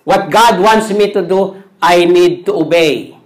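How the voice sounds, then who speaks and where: A Filipino man, a Tagalog speaker, preaching a sermon as pastor in simple, halting English with many repeated phrases. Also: high voice.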